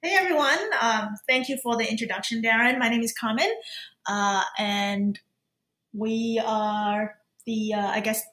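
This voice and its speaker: A woman's voice: fairly high pitch, fairly even intonation, a little slow, fairly bright tone. Chatty woman who grew up in australia, on a podcast, echoey room. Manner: chatty, laughs easily. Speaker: guest, cooking YouTuber. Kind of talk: casual podcast chat.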